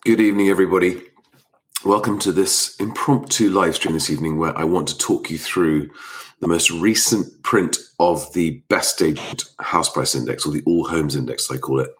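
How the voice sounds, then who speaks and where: Male streamer, lowish voice, slightly congested, informal commentary kept hushed for a sleeping household at night. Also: normal speed. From Sussex, England. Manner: speaking quietly at night so as not to wake sleeping children. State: slight cold. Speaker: live stream host. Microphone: close microphone.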